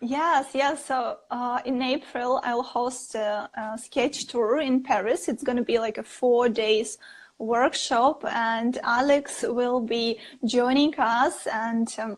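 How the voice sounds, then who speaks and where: This woman has a high-pitched voice and fairly even intonation. She speaks at a very slow pace. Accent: Russian. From Russia, Saint Petersburg. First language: Russian. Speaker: artist and online art teacher. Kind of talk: interview. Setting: Instagram live stream.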